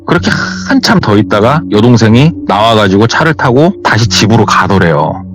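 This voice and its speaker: A man's voice: lowish voice, sing-song, normal speed, over music. A man telling a true horror story on a radio show, retelling it casually in reported speech.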